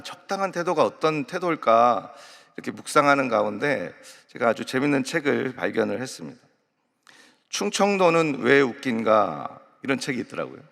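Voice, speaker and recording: Gravelly-voiced male pastor in a reverberant hall. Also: mid-range voice, a bit bright. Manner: conversational, explaining and telling lighthearted anecdotes. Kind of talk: early morning sermon. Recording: long reverb of a large church hall.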